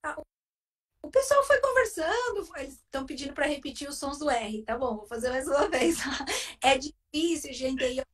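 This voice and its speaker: A Brazilian woman with a high voice explains phonics in a live video chat. She talks in an explanatory way and keeps tagging her sentences with "né?". She sounds a little far from the microphone. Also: animated, normal speed. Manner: explanatory, with frequent "né?" tags. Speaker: literacy specialist.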